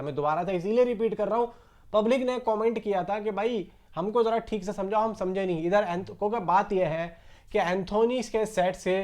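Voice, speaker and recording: A man's voice: high voice, a little mellow. A man giving casual film news commentary to his viewers, conversational and repetitive, addressing them directly. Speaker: YouTube film news host.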